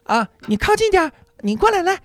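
A man putting on a loud stern mother. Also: very animated, fast talker, no echo. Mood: stern summoning. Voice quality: very loud booming voice. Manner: curt summoning commands, then sharp scolding. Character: loud stern mother calling her son.

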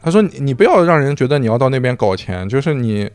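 A man's voice: mid-range voice, fast talker, clear, resonant tone, no room sound. A man from Xinjiang, China, a podcast guest telling a story in casual chat and acting out quoted dialogue. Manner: animated, acts out quoted dialogue.

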